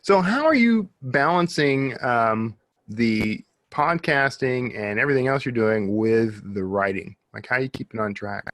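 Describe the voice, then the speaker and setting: A man's voice: mid-range voice, measured pace, a bit bright, dry recording. A man hosting a podcast, chatting casually and informally with a guest. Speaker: podcast host.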